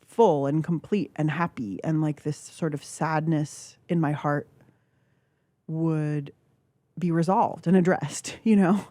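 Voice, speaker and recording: A woman in her forties talks through her thoughts slowly and candidly, with plenty of filler words. Her voice sits low and mellow. The studio mic sounds close and dry. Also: fairly even intonation, no room sound. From California. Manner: reflective, halting, with filler words. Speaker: guest author. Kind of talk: candid radio interview. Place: radio studio. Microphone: studio microphone.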